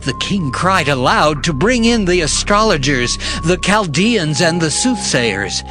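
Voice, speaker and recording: A man narrating scripture dramatically, with measured, solemn storytelling delivery. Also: on the high side, sing-song. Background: loud music.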